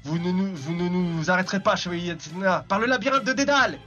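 A man voicing a huge brutal villain warrior for a tabletop game, speaking with slow theatrical menace. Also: high-pitched, bright, forceful tone, lo-fi sound, soft background music. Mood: defiant menace.

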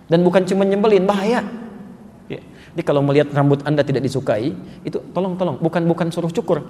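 A man preaching a sermon, telling stories with loud emphatic peaks and dropping soft for prayers. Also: fairly high pitch, slight background noise. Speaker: Islamic preacher. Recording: live talk in a reverberant hall with faint ambience.

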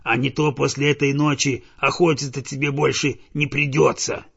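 A man's voice: mid-range voice, level tone, moderate pace, fairly bright tone. A man voicing a grumpy old chained farm dog that barks and threatens. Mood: threatening. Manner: barking, gruff, threatening. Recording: dull lo-fi recording.

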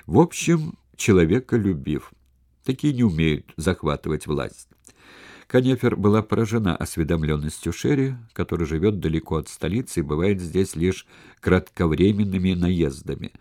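A man narrating an audiobook of a historical novel in a steady, even storytelling manner, recorded close to the mic. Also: low-pitched, moderate pace.

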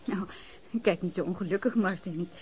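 A woman's voice: lowish voice, brisk, noisy background, lightly acted. A woman as a hurt young lover. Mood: reproachful. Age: 20s. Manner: emotional, reproachful. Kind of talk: Dutch radio drama acting. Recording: radio play with soft music underneath.

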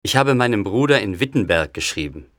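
Gruff storybook father, deep and stern, read by a man; dry, close read. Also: sing-song, brisk, a bit bright, no echo. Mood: resigned. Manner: gruff, scolding. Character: stern angry village father, middle-aged man. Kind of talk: audiobook story voice.

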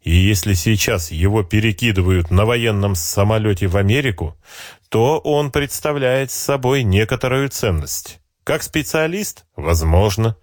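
Low-voiced man reading a first-person story. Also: a little slow, no room sound, clean studio sound. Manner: wry, reflective, steady reading. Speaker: audiobook narrator. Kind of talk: first-person audiobook narration.

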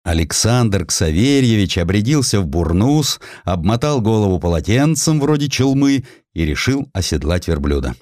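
A man with a low voice narrates a historical tale. His delivery is theatrical and very animated, with wide melodic swings. The sound is dry and intimate. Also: moderate pace, hardly any pauses, dry recording. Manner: expressive, theatrical storytelling. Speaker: audiobook narrator. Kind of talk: dramatized narration of a historical story.

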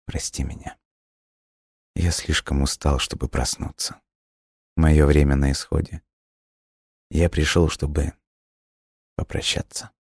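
A man voicing a gentle, dying ghost boy who speaks softly and wearily in a hushed, breathy voice. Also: extremely low pitch, steady tone, moderate pace, no room sound, studio quality. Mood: tender, hushed.

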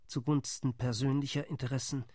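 An actor playing a wary male Arab delegate who reports gravely in a radio drama monologue. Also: medium pitch, little pitch movement, brisk, darkish tone, dry recording, studio quality, natural voice. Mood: reporting. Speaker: Arab Higher Committee delegate.

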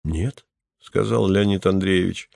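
A man narrating an audiobook in a calm, even storytelling manner. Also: sits low, a little slow, no echo, clean studio sound.

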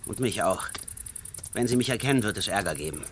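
An actor playing a cautious, proud Native American rider in a western radio drama, guarded and terse. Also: male voice, on the low side, animated, brisk, a little hiss or hum, natural voice. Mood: guarded, wary.

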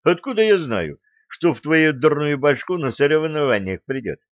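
A hot-tempered older fencing coach barks and scolds at a raised pitch, played by a male reader. The sound is dry and a little dull, like a modest home audiobook recording. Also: lively intonation, moderate pace, no echo. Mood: exasperated. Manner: scolding, loud, exasperated.

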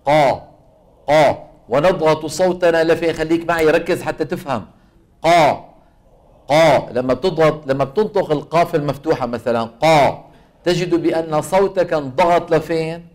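Man, Levantine Arabic accent, recitation teacher, higher voice, asks and answers his own questions, repeats sounds to demonstrate. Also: a little mellow. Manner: asks students questions and answers them himself. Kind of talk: classroom lecture on tajweed.

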